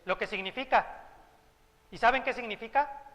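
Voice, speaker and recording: A man's voice: very high voice, moderate pace, fairly bright tone, long reverb tail. A man with a Mexican Spanish accent, preaching a sermon as a pastor, conversational and joking with asides. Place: church hall.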